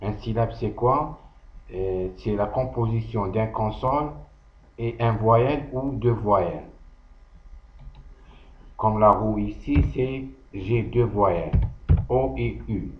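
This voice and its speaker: Enseignant masculin à l'algérien, débit très lent et posé, son lo-fi avec écho. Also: male voice, fairly low pitch, a little hiss or hum. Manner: slow, deliberate, thinking aloud with pauses. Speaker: teacher. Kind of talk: slow worksheet walkthrough. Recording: echoey room, dull lo-fi audio.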